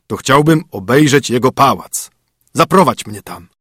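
Man doing a loud scornful storybook bear, husky voice, lively swooping delivery, dry close sound. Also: medium pitch, a little slow, no room sound. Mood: curious. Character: rude blustering male bear.

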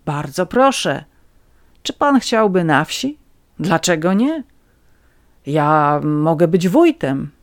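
A reader voicing a fawning, red-nosed petty scribe, a man who begs for vodka and wheedles his listeners in a high, eager voice. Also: sing-song, slow, pauses often, no room sound, clean studio sound. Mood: wheedling. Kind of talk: audiobook reading.

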